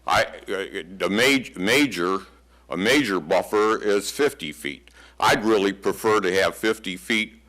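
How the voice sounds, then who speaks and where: A man speaking as a resident at a township public hearing, plainspoken and halting, with a big voice, into a podium microphone. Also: fairly low pitch, pushed and bright. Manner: halting, plainspoken, many fillers. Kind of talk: public comment at a meeting. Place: township meeting hall.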